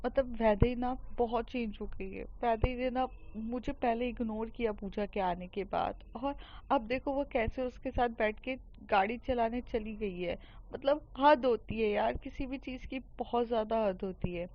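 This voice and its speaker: A woman's voice: a little high, unhurried. A woman voicing a heartbroken young woman who is reluctant to open up and complains through her hurt. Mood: upset, complaining. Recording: dull lo-fi recording.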